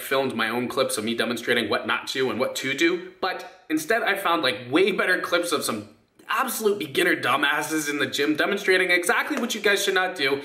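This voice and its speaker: A man's voice: on the high side, sharp tone. A young man coaching fitness in a blunt, emphatic, casually sweary vlog style, speaking to camera indoors. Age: young adult. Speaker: fitness coach and video host. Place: indoor rooms at home. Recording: echoey indoor room.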